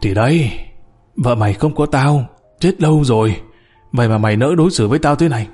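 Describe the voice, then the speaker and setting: Dying old tyrant, wheezy and pleading, put on by a male reader; middle pitch. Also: expressive, brisk, darkish tone, slightly rough, soft background music. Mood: reproachful. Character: dying old corrupt official, greedy and tyrannical, begging.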